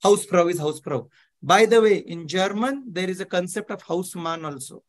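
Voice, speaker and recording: A man's voice: sits high, normal speed. Indian man teaching German online. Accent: Indian English. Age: 30s. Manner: explains step by step, checks understanding often, mixes Hindi. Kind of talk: live online language class. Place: indoor room, video call.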